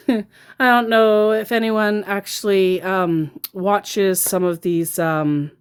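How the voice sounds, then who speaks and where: A woman's voice: medium pitch, steady tone, slow, smooth. A woman who baits scammers, narrating a casual vlog with a sarcastic, mocking manner. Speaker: scam baiter.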